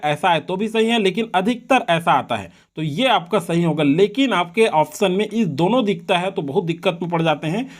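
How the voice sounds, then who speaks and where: Man, high voice, teacher, exam-prep spelling lesson, repeats words slowly.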